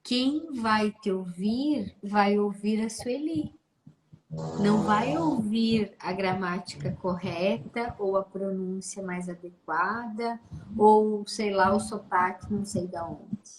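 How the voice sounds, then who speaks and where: A woman's voice: medium pitch, takes it slowly, slight background noise, rough recording. A Brazilian woman hosting as a therapist, speaking directly and encouragingly and asking pointed questions on a video call. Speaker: host, therapist. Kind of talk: therapeutic conversation.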